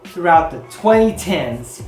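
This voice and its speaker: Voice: mid-range voice, expressive, takes it slowly, a little mellow. Chatty book vlogger in echoey room. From Philippines. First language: Filipino. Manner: chatty, rambling, heavy use of "you know" and "like". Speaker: book reviewer. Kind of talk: casual chat to camera. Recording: echoey room with background music.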